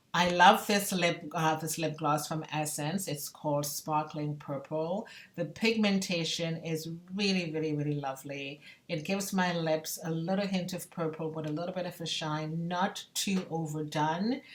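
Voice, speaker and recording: Woman at a moderate pace, fairly even intonation, noticeable background noise. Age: 60s. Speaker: beauty vlogger. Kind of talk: tutorial. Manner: casual, relaxed with fillers.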